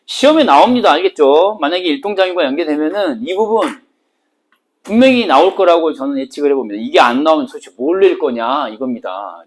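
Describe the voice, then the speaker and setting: Middle-aged male exam-prep teacher, slightly high voice, animated delivery, constant rhetorical questions. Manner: animated, joking, full of rhetorical questions to students. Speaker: Korean literature teacher.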